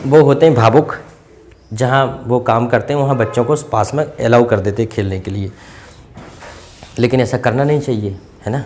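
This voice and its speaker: An Indian-accented male teacher runs an English grammar class, saying example sentences repeatedly, pronouncing the English ones very slowly and adding chatty remarks to students. His voice is medium-pitched and a little mellow, with a bit of hiss or hum.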